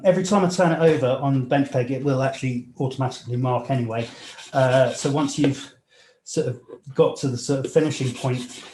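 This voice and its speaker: A young man from Nigeria, a jeweller, explaining his work while filing and sanding at his bench, with many pauses and fillers. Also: mid-range voice, roomy sound, background noise. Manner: relaxed, hesitant, many fillers, talks while working. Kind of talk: live demonstration with interview answers.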